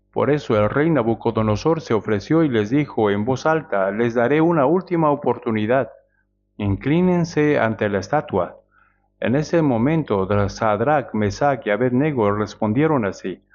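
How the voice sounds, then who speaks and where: A male preacher giving a measured sermon, often asking the congregation rhetorical questions. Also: mid-range voice, darkish tone. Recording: dull lo-fi sound.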